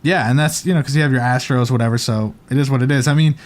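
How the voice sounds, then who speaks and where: A man's voice: mid-range voice, fast. A man hosting a casual chat show, talking chattily and hesitantly with a slight lisp from a retainer. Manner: chatty, hesitant, lots of ums. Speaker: show host. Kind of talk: casual chat reviewing setups.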